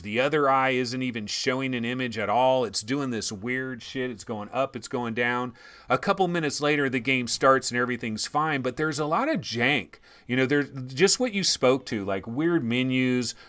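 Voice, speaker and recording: Male stream host, loose and excitable, salty language, everyday talking pitch. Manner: excitable, swears casually, quick bursts of emphasis. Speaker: livestream host. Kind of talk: casual chat.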